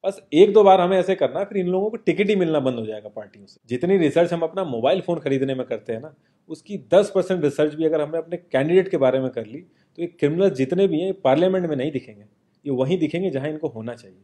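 An earnest young man speaks straight to the viewer in an informal, persuasive monologue. His voice sits a little high but has a warm, mellow tone. He is seated indoors, recorded on an off-camera mic. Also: quick pace. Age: young adult. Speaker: social commentary presenter. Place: indoor home studio, seated.

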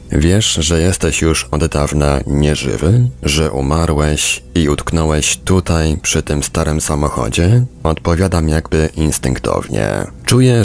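A man reading book excerpts as scripted narration, in a gravelly voice with a measured storytelling delivery. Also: very deep voice, a little mellow.

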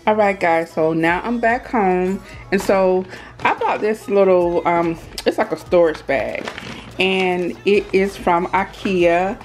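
A woman's voice: lowish voice, slow, faint music behind. A middle-aged woman chatting casually and informally to her viewers as a home lifestyle vlogger, recorded indoors on a handheld camera. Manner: informal, addresses viewers directly. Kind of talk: casual vlog chat. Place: indoors in a house. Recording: clearly noisy home recording, clicks.

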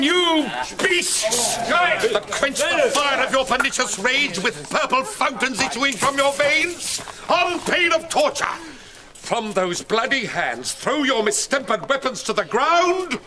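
A man's voice: very high voice, expressive, slow, a crowd in the background, heavily acted. A man playing an angry, stern prince, delivering commanding, formal proclamations in declamatory Shakespearean radio style. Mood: outraged command. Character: stern, angry prince rebuking his brawling subjects.

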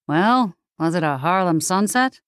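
Audiobook role: ghost of a 1940s male gumshoe, voiced by a woman. Wisecracking gangster slang, low register, dry close sound. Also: lively intonation, unhurried, clear, resonant tone, dry recording. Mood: brisk, slangy. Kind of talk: audiobook character dialogue.

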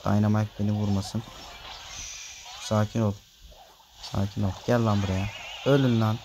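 A man's voice: on the low side, level tone, normal speed, noisy background. A man giving casual gameplay commentary, chatting straight to his viewers and grumbling about his random teammates. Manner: grumbling, easily annoyed at teammates; chatty, addresses viewers directly. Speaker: gameplay video maker.

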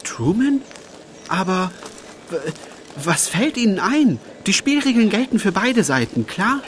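A man's voice: high voice, sing-song, measured pace, a bit bright, a little hiss or hum, full character voice. A man playing a cagey, prickly newspaper reporter in a crime audio drama, defensive and smug. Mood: startled, indignant. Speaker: voice actor.

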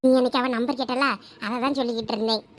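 A woman's voice: on the high side, fairly even intonation, racing, close to an everyday voice. A young woman, acting a cheeky, chatty college girl who teases her friend in a village comedy skit. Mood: teasing. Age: young adult. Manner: teasing, chatty, giggly. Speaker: comic skit actor.

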